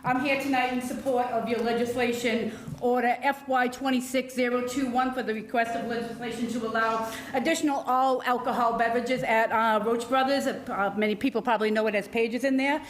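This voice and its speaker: Loud chatty woman in her sixties, brightish. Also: a little high, steady tone, brisk, few pauses, a little hiss or hum, low-quality recording. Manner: loud, chatty, full of fillers. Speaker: local businesswoman and commission chair. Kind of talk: unscripted public comment. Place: town council chambers.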